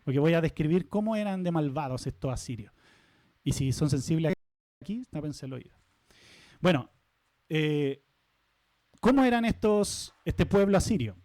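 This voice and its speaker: A man preaching from the pulpit in a high-pitched voice. He keeps it conversational, stopping to ask the congregation questions and tossing in light asides. The sound is dry and close, with almost no room echo. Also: lively intonation, moderate pace, pauses often, darkish tone. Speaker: pastor. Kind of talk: sermon. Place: church sanctuary.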